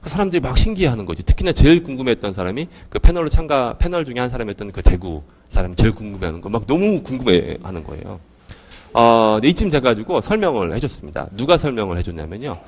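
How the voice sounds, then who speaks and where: A male lecturer talks fast to a hall audience through a handheld mic. His pitch leaps up and down as he fires questions at the crowd, and the delivery stays animated throughout. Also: a little hiss or hum. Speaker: English education lecturer.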